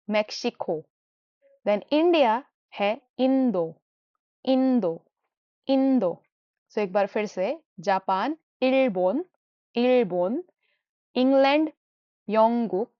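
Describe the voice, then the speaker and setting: A woman teaching a beginner language lesson, mixing Hindi and English and repeating each new word slowly several times as a drill. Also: on the high side, a little mellow, no room sound. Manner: mixes Hindi and English while explaining. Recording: dull, muffled dry recording.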